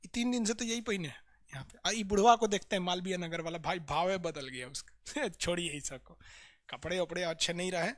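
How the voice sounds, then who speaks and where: A man teaching an online map lesson, drilling students energetically with loud, rapid repetition. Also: sits high, no room sound, clean studio sound.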